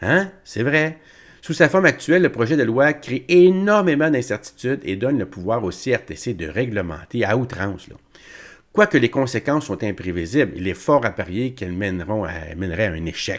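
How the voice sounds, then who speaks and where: A man at medium pitch with a Quebec accent, moderate pace and very wide pitch swings, against a quiet background. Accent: Québécois French. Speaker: political commentator, online show host. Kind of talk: casual commentary with read-aloud passages; commentary, partly reading documents aloud. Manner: conversational, hesitant with fillers. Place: home room.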